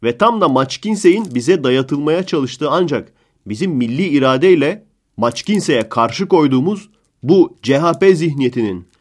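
Guy putting on a loudmouth middle-aged football fan, ranting and indignant, voice pitched up and jumping all over. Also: expressive, moderate pace. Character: loud boorish middle-aged male football fan, conspiratorial.

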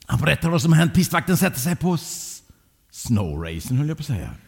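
A man telling a children's story aloud in a lively way, speaking directly to young listeners. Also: on the high side, gravelly, husky, big-room sound.

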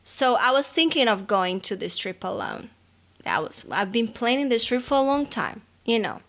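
A woman in her thirties from Brazil, with a Brazilian accent, co-hosting a podcast in casual chat. She rambles, restarting sentences and filling pauses with "um". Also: a little high, animated, fairly bright tone. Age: 30s. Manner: rambling, many restarts and fillers. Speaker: podcast co-host.

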